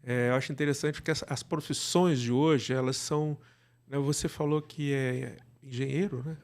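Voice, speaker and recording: A middle-aged Brazilian man speaking casually as an interview guest, illustrating his points with imagined remarks in an animated conversational way. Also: mid-range voice, moderate pace. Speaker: guest, director and cultural producer.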